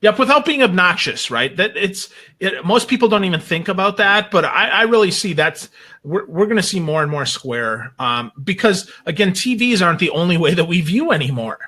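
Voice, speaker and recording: A man with a fairly high, very bright and forceful voice talks as a panel guest. He speaks casually but emphatically, doubling back on words to drive points home. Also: sing-song, moderate pace. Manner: emphatic, repeats words, tags points with "right?". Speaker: guest on a social media talk show.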